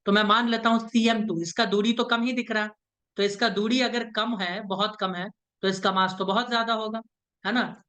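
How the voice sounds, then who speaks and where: In a steady, pushed and bright voice that sits high, a man teaches an online class at a moderate pace. His step-by-step explanation is playful and teasing, and he often checks in with students by asking "right?".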